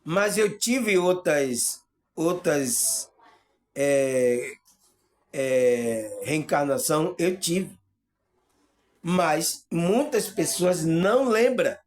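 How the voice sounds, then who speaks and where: Slow-speaking Bahian man teaching spirituality. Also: fairly high pitch, animated. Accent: Bahian Brazilian Portuguese. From Salvador, Bahia, Brazil. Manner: keeps asking viewers if they understand, hesitant fillers. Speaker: spiritual video host. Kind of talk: spiritual teaching monologue to camera.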